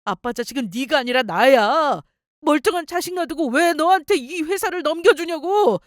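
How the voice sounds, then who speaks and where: Brash, boastful, sneering husband in a story radio drama, voiced by a woman. Spoken a little high, in a close, dry voice that looks down on everyone. Scornful, self-important, and impatient. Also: expressive, normal speed, no room sound, close to an everyday voice. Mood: frantic. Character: arrogant cheating husband, company head, man. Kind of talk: story radio role-play.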